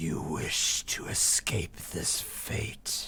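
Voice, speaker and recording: A man performs a put-on character voice. Clear background noise can be heard behind him. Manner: sounds different from the previous character.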